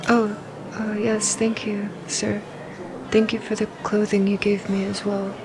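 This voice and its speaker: A woman's voice: mid-range voice, level tone, measured pace, noisy background, natural voice. A woman voicing a timid, deferential young servant who speaks hesitantly and very politely. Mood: meek.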